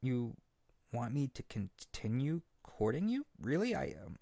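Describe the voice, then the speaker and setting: A man performs a young harpy boy in an intimate roleplay audio drama. He is lovesick and earnest, tripping shyly over his words as he speaks tenderly to the listener. The voice is mid-pitched and husky with some creak. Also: sing-song, measured pace, warm tone, no echo, clean studio sound, full character voice. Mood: overjoyed, affectionate. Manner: hesitant, stammering, tender and earnest.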